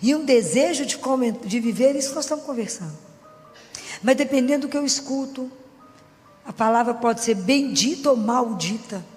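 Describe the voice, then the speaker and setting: A woman's voice: a little high, animated, moderate pace, darkish tone. A middle-aged woman with a Minas Gerais accent preaching a conversational sermon and keeping the audience engaged with frequent questions. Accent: Minas Gerais Brazilian Portuguese. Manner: chatty, keeps asking the audience for agreement. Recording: long hall reverb with faint music.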